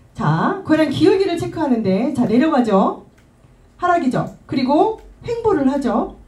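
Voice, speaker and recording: A high-pitched woman's voice with very wide pitch swings, amid audible room echo and noticeable background noise. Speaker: trading instructor. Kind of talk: lecture. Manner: fast.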